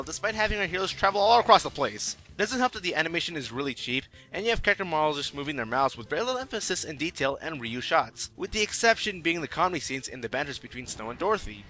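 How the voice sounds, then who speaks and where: A man's voice: a little high, bright, forceful tone, poor audio. A man giving a casual, opinionated video review as host, irreverent, sarcastic and slangy in his delivery.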